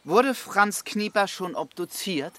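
An actor playing an insistent, sardonic camp leader turned amateur sleuth in an audio crime drama, pointed and accusing. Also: male voice, sits high, lively intonation, takes it slowly, a bit bright, full character voice.

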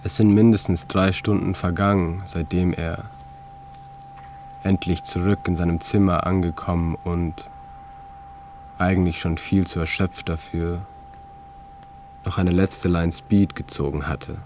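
A man reading a literary story in a calm, measured way, with many pauses. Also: low-pitched. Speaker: narrator. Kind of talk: scripted literary narration. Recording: steady hum and drone under the voice.

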